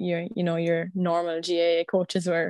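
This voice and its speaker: Speaking in an Irish accent, a woman with a fairly low pitch keeps a monotone, flat intonation, the sound dry with no echo and the background quiet. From Ireland. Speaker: professional women's Australian football player. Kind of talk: sports interview. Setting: remote call from Australia. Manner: casual, hesitant with many fillers. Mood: relaxed, friendly. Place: home room. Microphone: video call.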